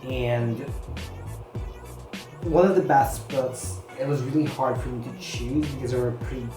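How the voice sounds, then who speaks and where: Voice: medium pitch, unhurried. Chatty book vlogger in echoey room. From Philippines. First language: Filipino. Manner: chatty, rambling, heavy use of "you know" and "like". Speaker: book reviewer. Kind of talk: casual chat to camera. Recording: echoey room with background music.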